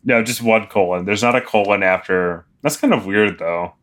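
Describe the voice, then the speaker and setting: A young man co-hosting a casual podcast, dry and deadpan, precise about small details. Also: lowish voice, normal speed. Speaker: podcast co-host. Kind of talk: casual chat.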